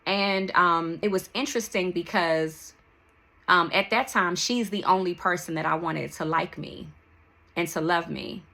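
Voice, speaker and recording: Bright-voiced D.C. woman, unhurried podcast host. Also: lowish voice, vocal fry. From Washington, D.C., United States. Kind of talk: personal solo podcast monologue.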